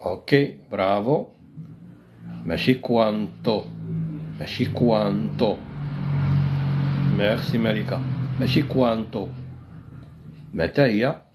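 A man with a Moroccan Arabic accent teaching a live online Italian lesson. He repeats each word several times and drills phrases very slowly, and he is unwell and coughing. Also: on the low side, a little mellow, slight background noise.

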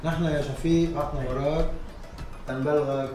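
A man's voice: fairly high pitch, steady tone, normal speed, roomy sound, music in the background. A man with a Lebanese accent hosting a hidden-camera prank show in playful, teasing banter. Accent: Lebanese Arabic. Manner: playful, teasing, calls out loudly.

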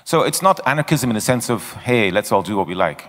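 On stage at a conference, a middle-aged man talks into a handheld mic with blunt candor and self-mocking asides. His fairly low, fairly bright voice is very animated and fast, and a long hall reverb colors the recording.

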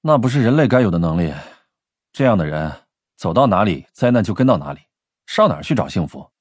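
Young male detective, jealous lover, low very raspy voice, brooding, intimate, audiobook drama. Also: sing-song, brisk, no room sound, studio quality. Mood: jealous, worried.

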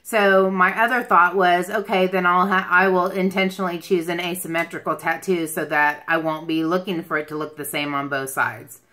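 A woman's voice: on the low side, steady tone, moderate pace, few pauses, bright, forceful tone. A woman in her mid-forties chatting casually on a livestream, rambling from one thought to another as she answers viewers. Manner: rambling, jumps between topics. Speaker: beauty livestream host. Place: small furnished room at home, indoors.

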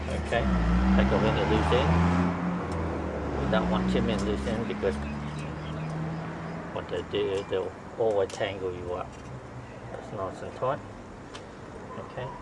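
A middle-aged man giving a plain step-by-step fishing demonstration while kneeling in a driveway and working with his hands. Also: on the low side. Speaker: fishing tutorial host. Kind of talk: how-to demonstration. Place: outdoor driveway beside a boat trailer. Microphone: camera mic a few feet away. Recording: distant camera mic with outdoor noise.

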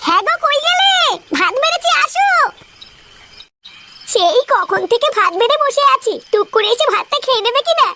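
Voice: extremely high pitch, expressive, moderate pace, very noisy. An actor voicing a nagging but doting, easily exasperated housewife in a comic cartoon, calling out and grumbling. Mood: calling, impatient.

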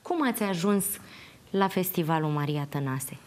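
A woman's voice: on the low side, lively intonation. A woman interviewer asking brief, polite questions.

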